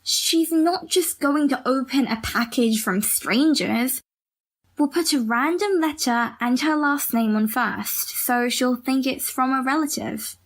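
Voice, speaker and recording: A woman's voice: high voice, measured pace. A woman playing a scheming, cautious young twin sister in an audio drama. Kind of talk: hobby audio drama acting.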